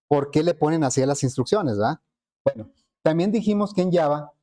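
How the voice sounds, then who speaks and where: A man's voice: on the high side, mellow. A man teaching a programming class, explaining step by step and asking the students rhetorical questions. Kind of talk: classroom lecture.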